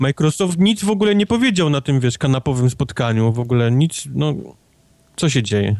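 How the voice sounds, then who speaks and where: A man with a Polish accent, fairly high-pitched, very wide pitch swings, very even loudness and a fairly quick pace. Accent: Polish accent when speaking English. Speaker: podcast co-host. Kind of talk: casual chat.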